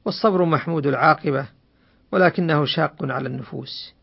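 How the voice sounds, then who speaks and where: A man giving a religious radio lecture in formal standard Arabic, with formal, measured, deliberate phrasing. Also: a little high, gravelly, slightly rough. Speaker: host of a weekly religious radio programme. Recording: dull, band-limited radio recording.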